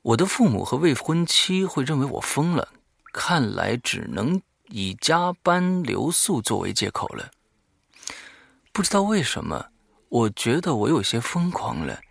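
A man's voice: mid-range voice, big pitch swings, a little slow, creaky, husky, dry recording, clean studio sound. A man hosting a horror audio show, reading a diary aloud dramatically and breaking off for offhand, muttered asides.

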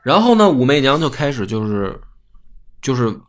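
A man's voice: medium pitch, moderate pace. A man, casually telling a history story as a podcast host and acting out the quotes. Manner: lively, acts out quotes in plain voice.

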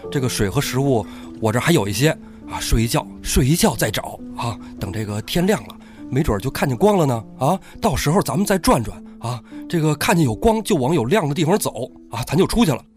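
A man's voice: mid-range voice, big pitch swings, brisk, few pauses, darkish tone, close to an everyday voice. A man playing a timid, eager-to-please miner in an audio drama, stammering and repeating himself in an ingratiating way. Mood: placating. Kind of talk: Chinese audio drama acting. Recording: background music under the voice.

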